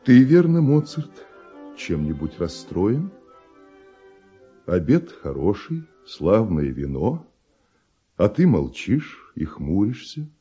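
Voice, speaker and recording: A very dark, husky male voice plays a grim, envious composer in a classic radio tragedy. He declaims verse slowly and solemnly, with weighty pauses, over soft music. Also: on the low side, very animated, full character voice. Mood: feigned cheer. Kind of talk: theatrical verse monologue, classic Russian radio play.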